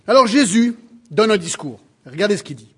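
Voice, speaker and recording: A man preaching a sermon, reading scripture aloud and acting out its dialogue with lively expression. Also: sits high, a little fast, breathy edge.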